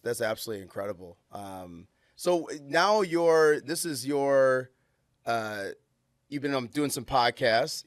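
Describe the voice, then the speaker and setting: Male podcast host, mid-pitched, encouraging, chatty, dry close recording. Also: no room sound. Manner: affirming, chatty, lots of fillers and backchannels. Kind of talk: casual interview chat.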